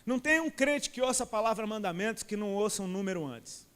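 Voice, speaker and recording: A middle-aged man with a Brazilian Portuguese accent preaches an impassioned, colloquial sermon, calling his listeners "cara." His high voice is quick, lively in intonation, fairly bright, clear and resonant, with the long reverb of a large hall.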